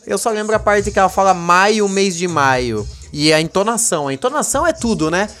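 A man hosting a casual solo podcast, rambling and joking, swinging between low mumbles and excited high bursts. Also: fast talker, faint music behind. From Brazil. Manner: rambling, joking, addresses his dog as co-host. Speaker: podcast host.

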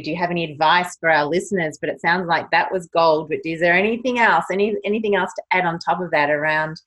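Woman, podcast host, very low voice, encouraging, wordy questions. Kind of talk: interview questions.

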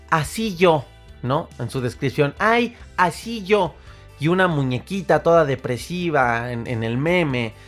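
A man with a Mexican accent hosting a motivational podcast monologue, speaking earnestly and emphatically straight to the listener. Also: mid-range voice. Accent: Mexican Spanish. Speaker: podcast host.

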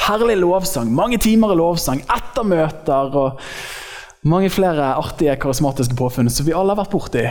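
A male preacher with a fairly high voice that swings widely in pitch, delivering a casual, humorous sermon full of slang. His voice carries a long hall reverb, as from a church hall. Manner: lively, joking, acts out quotes in slangy speech. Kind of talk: informal sermon.

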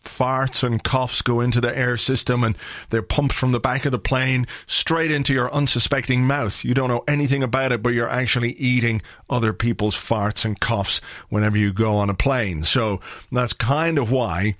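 Irish male podcast host, slightly croaky, rambling and wry, dry booth sound. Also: medium pitch, steady tone, normal speed, fairly bright tone, dry recording. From Ireland. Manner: rambling, wry and chatty, with filler words. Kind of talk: casual solo podcast chat.

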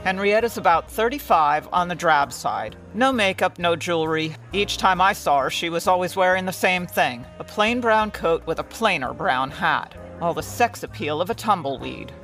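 A woman's voice: on the low side, animated, moderate pace, hardly any pauses, a bit bright, faint music behind. A woman acting as a no-nonsense 1950 magazine editor in a radio drama, brusque, clipped and cutting. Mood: urgent, blunt.

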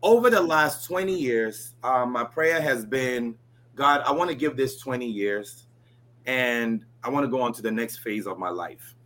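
Bright-voiced man in his forties, from Ghana. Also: medium pitch, lively intonation, measured pace. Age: 40s. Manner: chatty, frequent "you know" and "right?". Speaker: interview guest. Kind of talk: casual storytelling interview.

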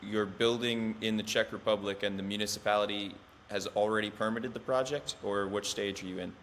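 Low-voiced male podcast host. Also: steady tone, fairly quick, fairly bright tone, slight background noise. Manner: brief interjections and affirmations. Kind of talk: casual interview questions.

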